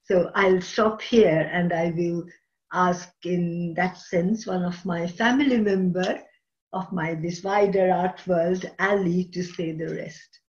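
An older woman speaking slowly and deliberately on a video call. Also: on the low side, steady tone. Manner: slow and deliberate. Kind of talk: casual video call introduction. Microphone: laptop webcam on video call. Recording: dull lo-fi video call audio.

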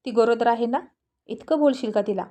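A woman's voice: a little high, fairly quick, warm tone, natural voice. A woman reading as a scolding mother. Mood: reproachful. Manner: reproachful, raised, incredulous. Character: middle-aged mother, scolding, protective.

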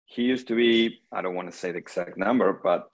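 Speaking deeply through a laptop webcam, a middle-aged man from Argentina joins a casual video call interview from a small room in his home. He is a senior professional pickleball player appearing as a guest. His storytelling is relaxed, full of pauses and "um," with his hands moving as he talks.

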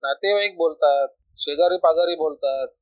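A tearful, worried mother pours out her troubles, voiced by a man reading aloud. The voice sits slightly high, close and dry. The sound is muffled and lo-fi. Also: normal speed, no room sound, natural voice. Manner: complaining, pleading. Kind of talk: storybook reading. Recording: dull lo-fi recording.

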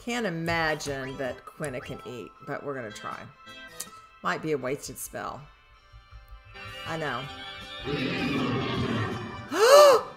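An older woman streaming a video game, thinking aloud as she plays and bursting into excited squeals. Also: rumbling low, takes it slowly, long pauses, music in the background. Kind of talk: live gameplay commentary.

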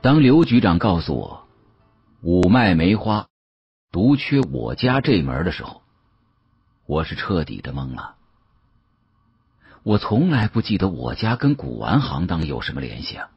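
Deep, very husky male storyteller. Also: a little slow, pauses often, no room sound, lo-fi sound, soft background music. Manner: expressive, theatrical. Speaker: audiobook narrator. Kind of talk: dramatic first-person storytelling with colloquial asides.

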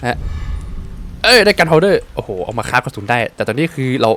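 A man doing casual let's-play commentary, excitable and exclaiming at the action. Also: mid-range voice, quick pace. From Thailand. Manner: excitable, exclaims and swears at the game. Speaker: gaming streamer.

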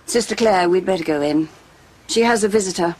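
An actress playing a composed, dryly witty senior nun in a radio drama, with a husky voice and measured authority. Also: female voice, mid-range voice, darkish tone, natural voice, poor audio.

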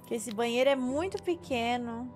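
A woman's voice: on the high side, normal speed, a little mellow. A young woman with a Brazilian accent giving casual live commentary as she streams a game. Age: young adult. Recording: game music behind the voice.

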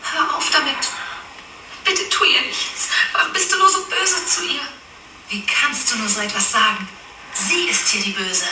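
A woman's voice: fairly high pitch, normal speed, pushed and bright. An actress voicing a young woman with a split personality in a horror game, with a menacing, hissing manner. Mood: pleading. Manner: shifts between menacing hiss and frightened pleading. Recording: echoey, distant audio clip with clear background noise.

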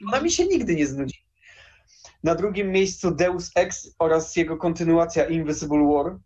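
A man's voice: fairly high pitch, expressive, moderate pace, a little mellow. A young man chatting casually and enthusiastically as an interview guest on a video call. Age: young adult. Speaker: interview guest, game collector. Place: small room lined with game shelves. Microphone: headset on a video call. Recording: dull lo-fi video call audio.

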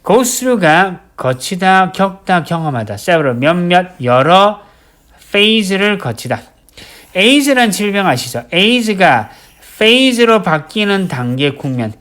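Male vocab instructor, lively up-and-down delivery, drills each word over and over. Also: sits high. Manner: drills words by slow repetition, writes as he explains. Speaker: English vocabulary teacher. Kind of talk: recorded vocabulary lecture.

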